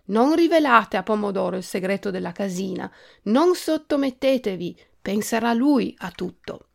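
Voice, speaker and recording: A woman's voice: mid-range voice, expressive, moderate pace, gravelly, darkish tone. A woman voicing a tiny, brave girl strawberry who carries an urgent message in a storybook.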